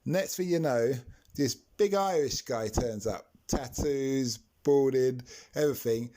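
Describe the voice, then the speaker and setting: A man's voice: medium pitch, slow pace, warm tone. A man, a taxi driver and podcast host, telling a story in a chatty way and laughing as he goes. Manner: chatty, laughs through his stories. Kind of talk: anecdotal storytelling.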